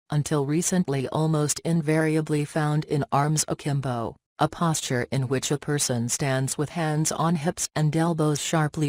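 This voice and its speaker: A man's voice: a little high, a little mellow, dry recording. A man reading scripted practice passages aloud in a stilted way, dropping some word endings.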